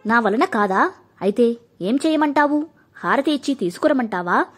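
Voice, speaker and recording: A woman voicing a stern middle-aged mother who is proud and fierce about family honour, talking in a sharp, scolding way. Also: on the high side, lively intonation, normal speed, slightly rough. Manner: sharp and scolding, softening into grief.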